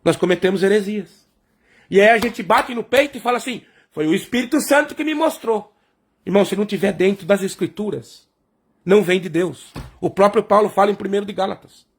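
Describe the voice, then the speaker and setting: Gravelly, high-voiced preacher. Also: male voice, brisk. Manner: explains by asking and answering his own questions; addresses the congregation as brothers and sisters. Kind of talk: sermon.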